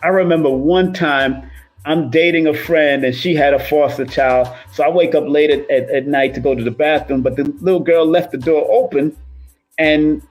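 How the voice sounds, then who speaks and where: High-voiced emphatic man over music. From Cuban and Jamaican heritage. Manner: emphatic, repetitive, rolls his R's. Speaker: numerologist and livestream host. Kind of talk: casual motivational monologue to live viewers.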